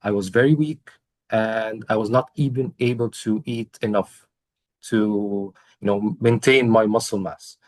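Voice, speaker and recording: A young man from Egypt shares his own experience as a coaching client in an interview. He speaks in a somewhat low voice, earnest and measured, with frequent pauses and fillers, and the recording is dry and close. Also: fairly even intonation, darkish tone, dry recording. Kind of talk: testimonial interview.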